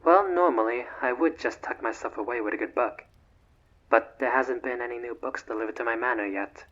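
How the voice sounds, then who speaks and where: Man as a husky, genteel vampire. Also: medium pitch, fairly bright tone, dull audio, lightly acted. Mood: dry, world-weary. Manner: formal, measured, slightly haughty diction with sighs. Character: bored, courteous immortal male vampire, genteel and old-fashioned. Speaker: voice actor in a roleplay audio. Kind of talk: scripted roleplay audio drama, one side of a phone call.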